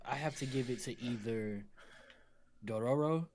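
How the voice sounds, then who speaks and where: A man's voice: medium pitch, measured pace, a little mellow. A man chatting casually as a panelist, thinking aloud as he weighs his answers. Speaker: panelist on a gaming talk show. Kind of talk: casual group chat.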